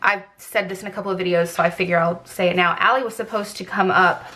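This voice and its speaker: A woman narrates a craft vlog as a planner vlogger, rambling in a casual, informal way. Her fairly low voice sounds congested from a blocked, stuffed-up nose, with a slightly scratchy throat. She talks fast with fairly even intonation, and her delivery is pushed and bright.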